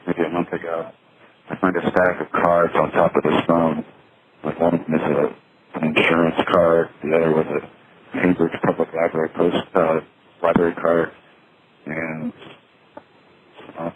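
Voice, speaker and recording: A man giving a halting, reflective, confessional monologue on a payphone call from a city street, over a noisy line. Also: sits low. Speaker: solo caller recording monologues from payphones.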